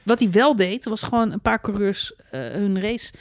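A woman co-hosting a podcast, chatting animatedly and quickly about motor racing and mocking drivers with put-on quotes. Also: mid-range voice, no room sound, clean studio sound. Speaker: podcast co-host.

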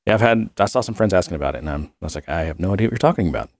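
A man's voice: sits low, lively intonation, rapid-fire, a little mellow, no echo, studio quality. A man co-hosting a podcast in casual chat, rambling and laughing often while he has a cold and cough. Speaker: podcast co-host.

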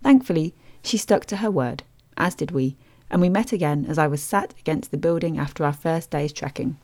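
A woman hosts and narrates a language-travel podcast in a scripted, measured voice-over. Her voice sits a little low and paints each scene with careful description. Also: a little mellow.

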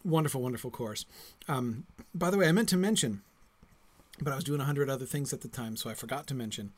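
A man's voice: medium pitch, fast, dry recording. A man in a mid-range voice hosts a reading event. He speaks casually and rambles, full of ums and uhs. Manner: rambling, many fillers. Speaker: event host. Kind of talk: casual remarks between readings.

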